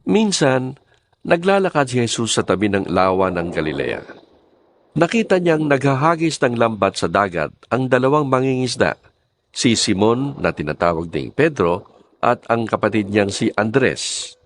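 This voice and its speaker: A man's voice: mid-range voice, sing-song, normal speed, a little hiss or hum. A man with a Filipino accent narrating a scripted audio Bible. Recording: music under the voice.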